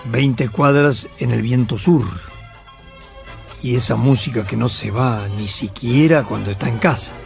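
A man with an Argentine accent hosting and narrating radio theatre in a poetic, deliberate way. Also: medium pitch, creaky, soft background music. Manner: poetic, deliberate, repeating phrases. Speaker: host and narrator.

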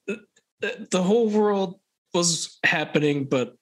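A young man from Thailand, a podcast guest, talking in a slow, hesitant, thoughtful way with many restarts. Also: sits high. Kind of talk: casual interview chat.

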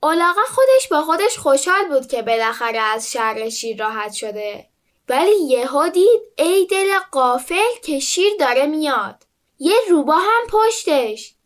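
A woman reading a children's story aloud in an expressive storytelling manner. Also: sits high.

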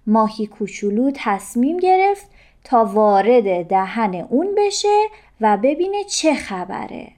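A woman narrating a children's story in a gentle, expressive reading. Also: fairly high pitch.

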